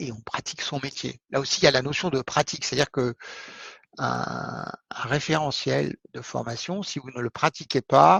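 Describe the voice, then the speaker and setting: A man's voice with vocal fry and ordinary pitch variation, dry and close with no echo, against a quiet background. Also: medium pitch for a man, moderate pace, big swings in loudness. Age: 60s. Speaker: training expert and consultant. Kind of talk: webinar presentation. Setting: online webinar. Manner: halting, many hesitations.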